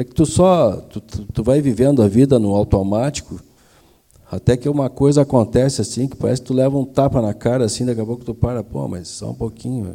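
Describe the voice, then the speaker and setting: A man with a dark, mellow tone at medium pitch speaks fairly quickly, with ordinary pitch variation and big swings in loudness. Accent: southern Brazilian. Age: 50s. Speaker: church member. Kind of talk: testimony interview.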